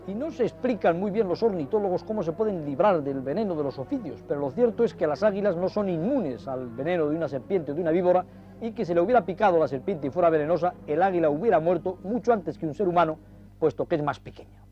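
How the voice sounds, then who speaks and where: A man presents a nature documentary, explaining to viewers in ornate, dramatic storytelling phrases. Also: sits high. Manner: didactic, addressing viewers directly. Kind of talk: nature documentary commentary, explaining over film footage. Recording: dull vintage TV audio, music behind. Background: music.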